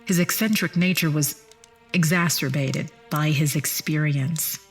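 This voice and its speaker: An immortal attendant in an audio drama, composed and courteous. Her voice is fairly low, formal and precise, patient yet guarded, with faint music beneath. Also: unhurried, husky, full character voice.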